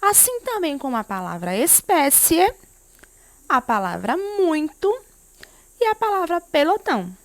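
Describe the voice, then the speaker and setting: A woman's voice: high voice, very animated, measured pace, dry recording. A woman teacher giving a remote lesson to young pupils, explaining step by step and often asking them questions. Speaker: primary school teacher.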